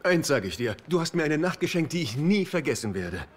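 A needy, flustered sitcom man with an eager, gushing manner. His voice sits a little high and moves animatedly. The dubbed soundtrack has loud noise behind him. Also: big pitch swings, fairly quick. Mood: flustered, smitten. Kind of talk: German-dubbed TV sitcom acting.

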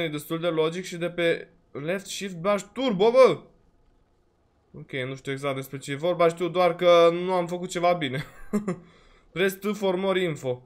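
Romanian man, high-pitched, let's-play host, chatty, quick to exclaim, voice a bit worn. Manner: chatty, exclaims often, peppers talk with "frate" and "bă". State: voice slightly worn, coughing. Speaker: gaming video host. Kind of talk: casual let's-play commentary.

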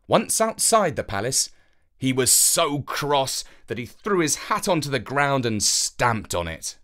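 A woman narrating a children's fairytale as an expressive storyteller. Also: extremely low pitch, a little slow.

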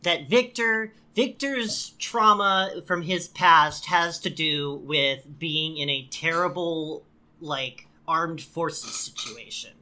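A woman co-hosting a podcast, recapping a TV episode with sarcastic, animated storytelling. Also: deep voice, slow. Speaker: podcast co-host. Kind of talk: casual recap chat.

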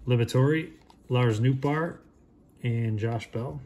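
A man in his thirties talks through pack openings in a relaxed, low-key way. He speaks slowly, naming each player with a short remark. A faint hiss sits under his close, indoor camera-mic sound. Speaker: card shop host opening packs. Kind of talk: casual card-opening commentary.

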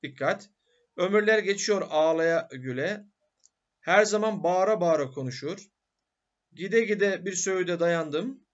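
High-voiced man teaching grammar. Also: unhurried, lo-fi sound. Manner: asks and answers his own questions. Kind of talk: grammar lecture.

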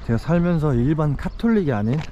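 A man's voice: a little high, animated, noisy background. A young man from Korea with a Korean accent, chatting in broken English on his travel vlog. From South Korea. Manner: broken English, laughs at himself, quick chatty asides. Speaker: travel vlogger. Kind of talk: casual chat. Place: outdoor seaside café terrace at night. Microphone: action camera, no separate mic. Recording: loud music over the talk.

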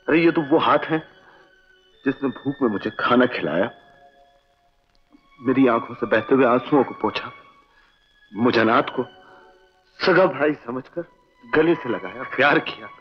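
A man's voice: mid-range voice, animated, a little slow, long pauses, lightly acted. A man playing an impassioned loyal friend. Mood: pleading. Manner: theatrical, impassioned pleading. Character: loyal orphan friend of the family, emotional man. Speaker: film actor. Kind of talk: 1960s film dialogue. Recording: dull old film soundtrack with music.

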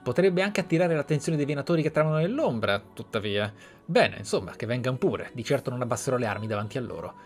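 A man's voice: mid-range voice, expressive, quick pace, soft background music, lightly acted. A man voicing an eloquent, defiant noble mage from a fantasy game in a florid, formal manner. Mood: defiant, flamboyant. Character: eloquent, theatrical, defiant Tevinter magister noble.

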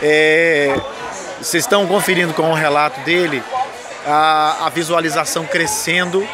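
A man's voice: fairly high pitch, steady tone, moderate pace, over music. A Brazilian man in his forties, a radio announcer, answering a host's interview in an upbeat, encouraging way at a booth at a fair. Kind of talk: casual on-site interview. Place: exhibition booth at a crowded fair, indoors. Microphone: phone camera at arm's length. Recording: crowd noise at a fair. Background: crowd chatter.

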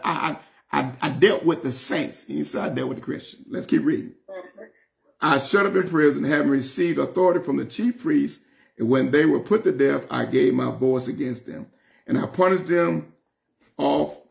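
Seated in a room at home in front of French doors, a man in his sixties from the Southern United States leads a casual Bible study sermon, reading and explaining scripture. His slightly high voice is creaky, and his style is emphatic and folksy, with repeated phrases and listeners called on.

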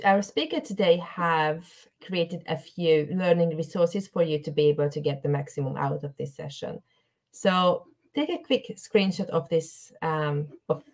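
A woman hosting an online webinar, courteous and a little hesitant, repeating words as she introduces things. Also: on the low side. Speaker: host. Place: indoor room, video call.

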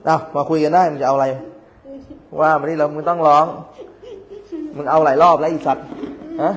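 A man's voice: a little high, steady tone, a little fast, muffled recording. A man working as an exorcist, scolding and teasing a spirit in a coarse, profane way, pressing it with repeated questions. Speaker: exorcist master at a shrine.

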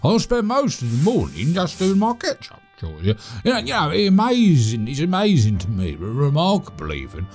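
An actor playing a chatty, cheerful manor servant in an audio drama, with a British accent and a rambling, stammering, chuckling delivery. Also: male voice, fairly high pitch, huge pitch swings, normal speed, few pauses, a little mellow, soft background music. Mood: cheerful, upbeat. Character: chatty, cheerful, oft-killed manor servant named Todd.

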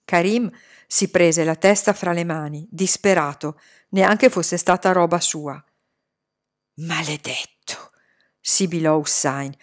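A woman narrating a novel chapter in the first person, measured and expressive. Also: on the low side. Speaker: audiobook reader. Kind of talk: scripted narration.

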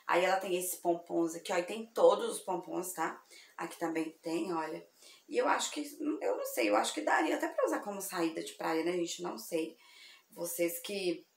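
A chatty woman with a slightly lower voice, a little hoarse from sleep, gushes over each piece of clothing. She talks right to her viewers in a casual product showcase. The room is echoey, with a faint hum behind her. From Brazil. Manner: chatty, effusive, addresses viewers as girls. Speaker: online thrift seller.

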